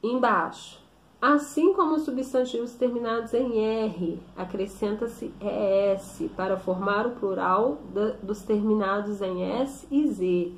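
A woman teacher explaining a grammar lesson slowly, often stopping to check with her students. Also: medium pitch. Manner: slow, explanatory, with frequent check-in questions. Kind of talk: recorded classroom lesson. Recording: echoey room.

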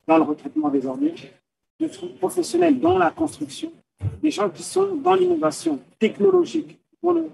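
A man from France speaks in an interview, earnestly listing what he needs in long runs. His voice is high and gravelly with a lively rise and fall. He sits in a small padded booth, picked up from a little way off. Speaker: guest entrepreneur. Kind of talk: interview answers. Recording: distant mic.

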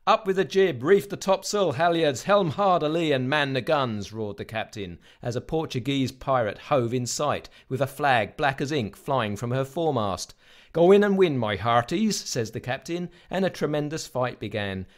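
A man's voice: mid-range voice, animated, normal speed, few pauses, lightly acted. Man doing a blustering young sea-yarn spinner. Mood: hearty. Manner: hearty, blustering nautical storytelling.

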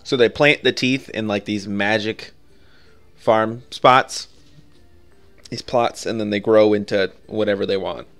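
Male guide narrator, clean smooth voice, casual step-by-step delivery, music underneath. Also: on the low side, fairly even intonation, a little slow, fairly bright tone. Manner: informal, offhand, conversational. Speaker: video game guide creator.

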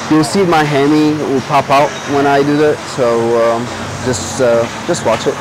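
A young man giving casual, halting vlog commentary while lifting weights in a noisy gym. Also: on the high side, fairly even intonation. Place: indoor warehouse-style gym. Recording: clear gym noise, mic'd up.

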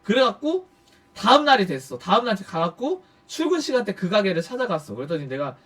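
Brief: male streamer, high and lively voice, casual storytelling with plenty of cursing. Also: fairly quick, slightly rough, faint music behind. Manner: animated, swears freely, acts out quoted speech. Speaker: YouTuber storyteller.

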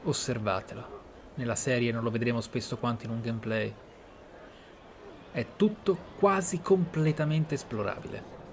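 A man's voice: medium pitch, moderate pace. Reflective man over game ambience. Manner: reflective, explanatory. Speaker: host of a gameplay series. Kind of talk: role-play game commentary. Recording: clear background game ambience noise.

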